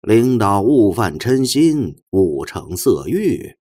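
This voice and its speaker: A man voicing a pious agent in his thirties in an audiobook, placid, with a flat chanting manner. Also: fairly low pitch, slow pace, heavily acted. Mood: serene, sanctimonious.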